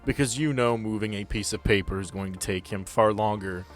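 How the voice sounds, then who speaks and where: A man's voice: lowish voice, fairly quick, soft background music. A man narrating a tabletop roleplaying game as game master in a casual, joking way.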